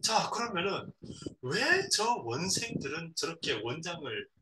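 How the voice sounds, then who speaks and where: A middle-aged father reads a novel aloud at home and keeps stopping to explain words in simple terms. His voice is bright and fairly high, with a lot of rise and fall. The mic sits a little away from him in a roomy space, with a faint hiss behind. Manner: reads a passage, then pauses to explain words simply to a child; acts out quoted lines in lively voices. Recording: roomy echo, a bit far from the mic, faint noise.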